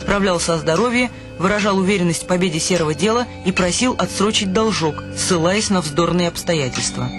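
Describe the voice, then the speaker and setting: Male narrator, fairly high voice, reading a radio story, music behind. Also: lively intonation, brisk, few pauses, a bit bright. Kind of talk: literary reading in a radio play.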